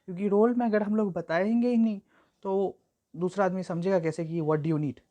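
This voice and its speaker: A young woman tutor giving an exam-prep lecture, explaining at length with frequent fillers and slowing down to read example sentences aloud. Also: medium pitch, steady tone, mellow. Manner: reads English examples slowly and deliberately. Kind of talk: exam-prep lecture mixing Hindi and English.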